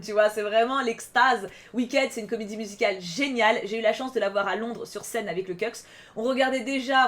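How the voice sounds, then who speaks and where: Young female vlogger, slightly high voice, excitable and rambling. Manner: enthusiastic, rambling with many fillers and restarts. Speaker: YouTuber. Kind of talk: casual vlog countdown.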